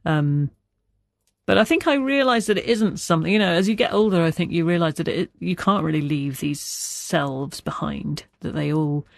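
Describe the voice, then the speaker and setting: A middle-aged man from Wales, a writer, speaking reflectively in an interview with a stammer, halting and restarting. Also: a little high, vocal fry, dry recording, studio quality.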